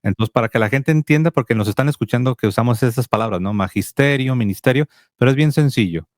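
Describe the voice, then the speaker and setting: A man from Tijuana with a Mexican Spanish accent, hosting a Catholic call-in show and explaining doctrine in a steady teaching tone. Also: medium pitch, quick pace, no echo, clean studio sound. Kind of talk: apologetics call-in talk.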